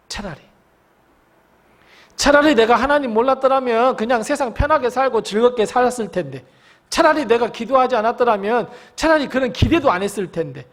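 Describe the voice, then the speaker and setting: A man preaching a sermon as the pastor, dramatic, dropping to whispers and then rising to loud cries. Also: high voice.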